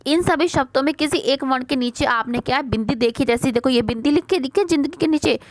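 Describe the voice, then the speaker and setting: A woman teaching a worksheet lesson to young pupils. She asks a question, answers it herself, repeats the words slowly and calls the children "beta". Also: high voice, dry recording. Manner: mixes English words like question, first into her talk.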